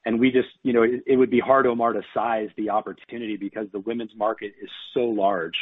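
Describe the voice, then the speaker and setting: A man's voice: on the low side, breathy edge, dry recording, narrow, tinny audio. A male company executive adding his answer to an analyst's question on an earnings call. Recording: dry, band-limited phone conference line.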